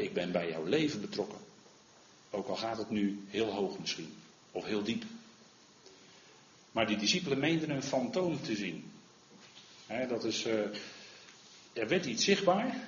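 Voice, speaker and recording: A man's voice: fairly low pitch, slight background noise. Man preaching in a roomy church. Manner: earnest, rises in volume when quoting the Lord, frequent "hè?". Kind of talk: sermon. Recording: roomy, slightly dull recording.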